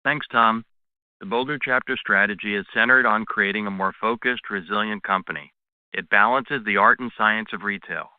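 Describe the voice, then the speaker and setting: A male chief executive with a somewhat low, very smooth voice delivers prepared remarks. He sounds formal and deliberate, heard through a narrow phone-like call line. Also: no room sound. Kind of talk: scripted closing remarks on earnings call. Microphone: conference call line.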